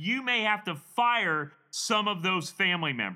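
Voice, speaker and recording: With lively intonation, a man uses a raised, projected voice with a bright, sharp tone on a very clean recording with a silent background. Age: 50s. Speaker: former chiropractor and financial educator. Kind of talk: interview.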